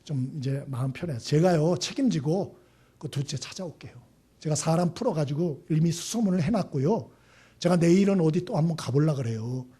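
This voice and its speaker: A man, a pastor, acting out an elder son from a parable in his sermon, with a husky voice. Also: on the high side, lively intonation, a little fast, voice pushed down. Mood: reassuring. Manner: indignant, then soft and reassuring. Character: resentful grown elder son, later dutiful.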